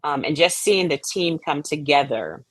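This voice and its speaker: A woman's voice: low voice, expressive, normal speed, dry recording. A middle-aged American woman answering interview questions as a guest in a reflective, explanatory way, often checking that she is understood. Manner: reflective, explanatory, often checks with "you know what I mean". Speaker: guest, playwright and stage director.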